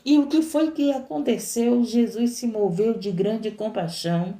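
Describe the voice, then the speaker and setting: A woman's voice: on the high side, unhurried, dark tone, roomy sound. A woman, a missionary preaching a sermon in an impassioned, repetitive, emphatic way.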